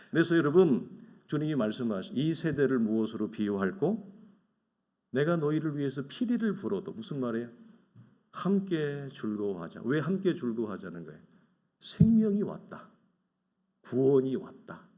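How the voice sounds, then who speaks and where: Lively, animated Korean pastor preaching. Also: male voice, medium pitch. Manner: conversational preaching with rhetorical questions; acts out quoted voices of envious people. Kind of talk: sermon.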